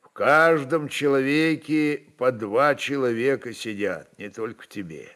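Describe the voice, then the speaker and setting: A man voicing a sly, secretive Cossack ataman in his sixties, who talks quietly in a deliberately drawling, folksy way. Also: mid-range voice, close to an everyday voice. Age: 60s.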